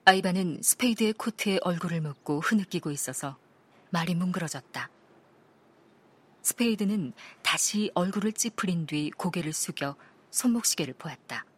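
A woman narrating an audiobook in a calm, even storytelling manner. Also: on the low side, moderate pace, husky.

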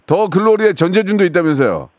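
A man's voice: high-pitched, very animated, quick pace, darkish tone, no room sound, studio quality. A male radio host chatting casually and teasingly with callers. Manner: joking, rambling, teasing.

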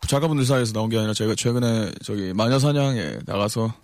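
A man's voice: on the low side, fast, darkish tone. A man with a Busan dialect, chatting with a radio host as a guest in a laid-back, self-assured way. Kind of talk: casual radio interview. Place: radio studio.

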